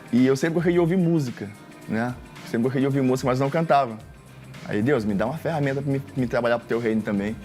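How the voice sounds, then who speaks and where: Brief: male guest, mid-pitched voice, easygoing testimony, faint music underneath. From Maranhão, Brazil. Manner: relaxed storytelling, uses "galera" and "cara". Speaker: gospel singer guest. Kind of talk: casual testimony interview.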